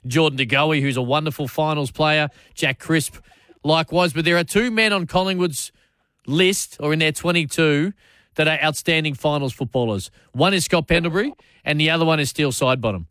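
Casting: Australian male talkback host, bright forceful higher voice, chatty and matey, dry studio sound. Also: a little fast, no echo. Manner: matey, chatty, repeats phrase starts. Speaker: sports radio talkback host. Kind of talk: casual talkback commentary. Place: radio studio.

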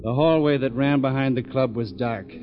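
Male actor as a deadpan hard-boiled cop, clipped and dry; music bed, old lo-fi sound. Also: medium pitch, normal speed, close to an everyday voice. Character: tough, wisecracking homicide lieutenant. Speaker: police lieutenant and narrator. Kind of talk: 1950s radio drama. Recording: dull old radio recording with music.

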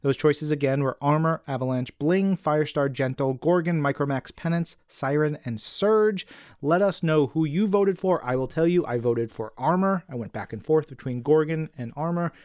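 Higher-pitched man, chatty podcast co-host. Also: moderate pace, darkish tone, no echo, clean studio sound. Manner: enthusiastic, chatty. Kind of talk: casual comics fan podcast talk, reading listener messages.

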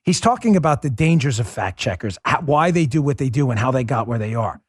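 A man's voice: medium pitch, animated, brisk, breathy edge, no room sound. Emphatic male podcast host, dry studio. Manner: emphatic, swings loud and quiet for emphasis; addresses listeners directly as folks. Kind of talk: political talk show monologue. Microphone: studio microphone.

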